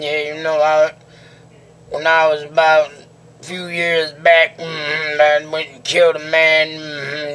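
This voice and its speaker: A man mumbles and drawls in a put-on character voice at a fairly slow pace, his fairly high pitch held in a monotone, flat line while his loudness swings widely. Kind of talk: comic impression of a film character. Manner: mumbling drawl with repeated 'mm-hmm'.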